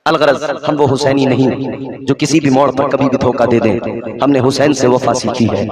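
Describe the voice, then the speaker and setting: A man preaching a sermon, building passionately to shouted peaks. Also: mid-range voice, flat delivery, moderate pace, crowd noise. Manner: impassioned oratory rising to shouted peaks. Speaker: Islamic preacher.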